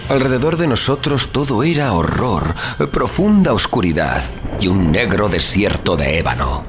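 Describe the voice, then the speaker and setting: A man's voice: fairly low pitch, sing-song, moderate pace. A man reading a literary horror story as a narrator, in a solemn, suspenseful, dramatic style. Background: music.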